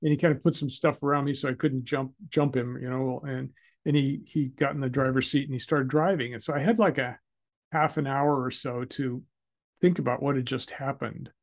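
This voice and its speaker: A man, a guest in an interview, calmly telling a personal story with hesitant fillers. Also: mid-range voice, brisk. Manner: calm and reflective, with hesitant fillers.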